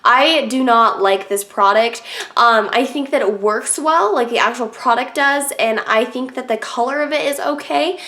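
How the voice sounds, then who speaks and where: A woman's voice: on the high side, normal speed, sharp tone. A young woman with a stuffy, congested voice, chatting casually through a product review with lots of filler words. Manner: chatty, filler-heavy, frank opinions. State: congested from a cold. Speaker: beauty vlogger.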